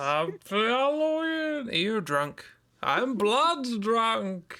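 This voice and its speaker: A put-on character voice, fairly high in pitch, with very wide pitch swings and a very slow pace. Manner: halfhearted, playful.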